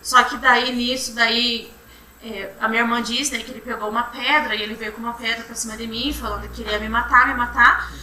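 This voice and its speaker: A woman's voice: on the high side, steady tone, sharp tone. Young woman testifying in a roomy courtroom. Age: young adult. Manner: halting, repetitive retelling, often restarting with "then". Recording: roomy courtroom from far off, faint hum.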